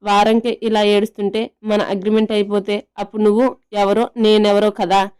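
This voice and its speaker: A calm, reserved young man from an audio love story, voiced by a woman narrator, low-key and matter-of-fact. The tone is mellow and smooth. It stays flat in pitch. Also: moderate pace, lightly acted.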